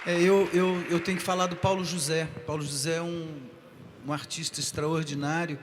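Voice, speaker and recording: A man's voice: fairly high pitch, flat delivery, normal speed, a crowd in the background, background noise. Earnest man speaking in a theater. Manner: earnest, admiring, with restarts. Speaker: guest actor, theater group founder. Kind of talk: panel talk. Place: theater stage. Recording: echoey theater hall.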